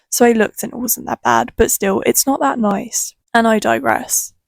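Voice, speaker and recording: A woman with vocal fry speaks at a fairly quick pace on a very clean recording with a silent background and a dry, close sound with no echo. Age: 20s. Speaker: vlogger. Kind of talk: casual chat. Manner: informal, filler-heavy.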